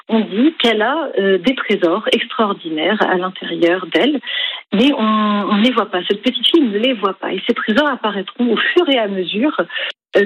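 A woman's voice: medium pitch, highs cut off. Hesitant woman guest, faint hiss. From Lebanese heritage. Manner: hesitant, many fillers and restarts. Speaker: singer and storyteller guest. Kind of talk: radio interview.

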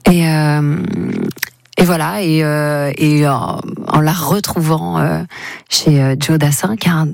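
A woman with a low, gravelly voice talks about music in an interview. She speaks hesitantly, stopping and restarting often, and the sound is close and dry. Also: fairly even intonation, takes it slowly, no room sound. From France. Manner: hesitant, many fillers and restarts. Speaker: singer and songwriter. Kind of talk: casual radio interview talk.

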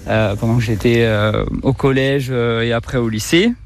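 A man's voice: mid-range voice, fairly even intonation, normal speed, soft background music. A middle-aged man from Corsica, a zoo director, talks while walking outdoors through the park, hesitant with many fillers and restarts. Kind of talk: interview on a walking tour.

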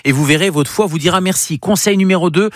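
A man's voice: sits high, fast, no echo, clean studio sound. A man, a doctor, giving a radio health segment in an upbeat, teaching manner. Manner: didactic, upbeat, lists advice.

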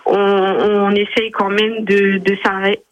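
A woman's voice: mid-range voice, little pitch movement, slow pace. A woman in her forties calling a radio show, telling her story with many hesitations over a phone line. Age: 40s. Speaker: caller. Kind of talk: personal testimony on radio.

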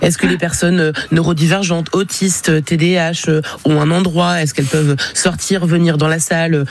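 A woman's voice: deep voice, steady tone, normal speed. A woman of about forty, a singer, answering radio interview questions frankly and animatedly, with many fillers and restarts. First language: French.

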